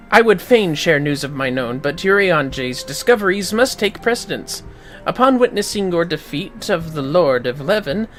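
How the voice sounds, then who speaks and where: A man plays a courteous lady leader from a fantasy game. The voice is lifted high, and the diction is formal and old-fashioned. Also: a bit bright. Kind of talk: reading game dialogue aloud in character.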